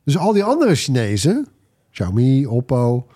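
A man's voice: medium pitch, huge pitch swings, unhurried, mellow. A man hosting a casual tech podcast, talking in a colloquial, opinionated way. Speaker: podcast host.

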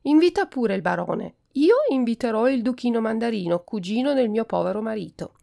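A woman's voice: fairly high pitch, expressive, brisk, gravelly, warm tone. A woman voicing an anxious, fretful widowed countess in a storybook reading. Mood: grudging.

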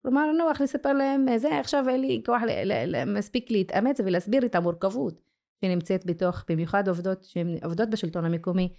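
A woman's voice: mid-range voice, gravelly, dark tone. A woman speaking as a guest in a podcast interview, often searching for words between filler sounds.

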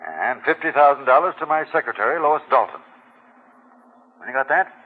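In a thin, narrow-band recording of an old 1940s radio broadcast, an actor plays a stubborn, insistent elderly wealthy client who is blunt and commanding. His voice is medium-pitched and husky, with an expressive delivery at a normal speed.

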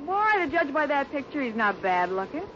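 A very high-voiced con woman from a 1950s radio play. Her sly, flippant lines swoop up and down as she schemes coldly. The old recording is muffled and clearly noisy. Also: sing-song, fairly quick. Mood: coldly scheming. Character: cold, scheming female swindler, sly and flippant. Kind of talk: 1950s radio drama acting.

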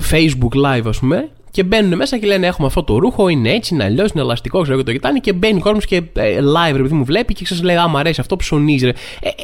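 A young man rambles through a comic story on his podcast in a casual, slangy voice that sits a little high. He acts out the people he quotes as he goes. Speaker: podcast host. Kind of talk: comic monologue.

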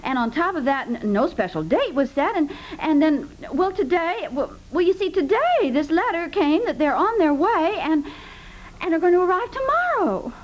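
A woman playing a flustered, apologetic, dithering neighbour with halting, repetitive speech in 1950s radio comedy. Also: very high-pitched, sing-song. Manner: halting, stammering, breathlessly repetitive. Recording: noisy vintage 1950s radio recording.

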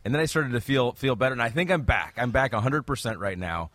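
A man's voice: mid-range voice, quick pace, a bit bright, dry recording. Laid-back man saying "like" a lot. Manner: laid-back, heavy use of "like". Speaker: podcast co-host. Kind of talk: casual football chat. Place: studio desk close to co-host.

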